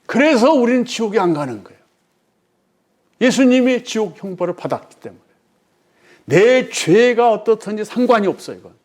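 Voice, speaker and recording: A male pastor giving a sermon, driving his points home with rhetorical questions and swinging between loud emphasis and hushed, quiet phrases. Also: sits high, very animated, moderate pace, long pauses.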